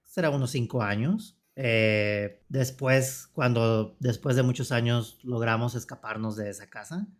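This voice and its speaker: A man in his forties from Tijuana with a northern Mexican accent, a psychotherapist calmly recounting his story as an interview guest. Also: medium pitch, unhurried, hardly any pauses. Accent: northern Mexican Spanish. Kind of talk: personal testimony in interview.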